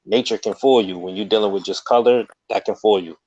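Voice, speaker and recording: A man's voice: on the low side, brisk, a little mellow, no room sound. A man in an informal debate, talking insistently and often repeating phrases to hold the floor. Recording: dull, lo-fi audio.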